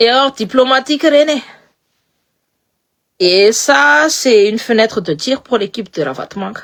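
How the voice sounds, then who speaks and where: A woman with a slight Malagasy accent speaks at a fairly slow pace in a fairly high, animated voice, her pitch swinging very widely around long, frequent pauses. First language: Malagasy (speaking French). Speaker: political commentator. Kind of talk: political commentary livestream.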